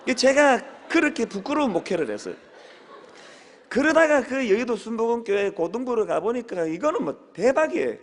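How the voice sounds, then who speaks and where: A male pastor preaching a sermon, telling humorous stories with sudden shouted exclamations. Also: very high-pitched, sing-song, a little fast. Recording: long hall reverb.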